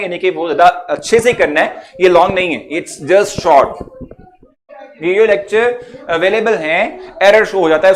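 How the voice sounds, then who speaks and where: A young man with a Pakistani Urdu accent teaching a live online chemistry class, chatty and coaxing, checking in with students often. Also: fairly high pitch.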